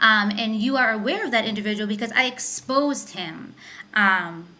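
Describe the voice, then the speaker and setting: Animated in tone, a woman with a fairly high pitch and ordinary pitch variation speaks in a room with audible echo. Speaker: podcast host. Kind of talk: casual commentary monologue.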